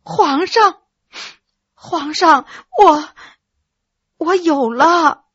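A woman's voice: high-pitched, expressive, slow pace, fairly bright tone, no room sound, heavily acted. A woman voicing a coy, anxious young court lady who hesitates, stammers and sighs, in a slightly muffled recording. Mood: shy.

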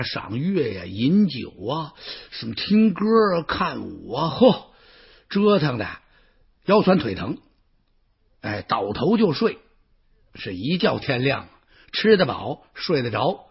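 A husky male storyteller, telling his tale with lively exclamations and a voice that leaps up and down. His pitch sits a bit high, and the recording is dull and lo-fi. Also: unhurried. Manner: animated, colloquial, full of exclamations. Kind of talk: traditional Chinese storytelling.

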